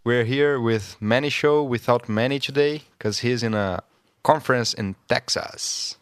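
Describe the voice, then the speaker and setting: A young man from Brazil, hosting a casual radio show in halting, English. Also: mid-range voice, clean tone, no room sound, clean studio sound. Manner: halting non-native English with pauses.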